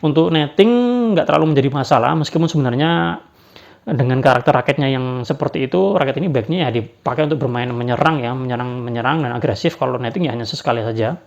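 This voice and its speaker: A badminton racket reviewer talks quickly in a creaky, mid-range voice, hesitating often and leaning on fillers and tag questions. The casual spoken review has a dull, lo-fi sound.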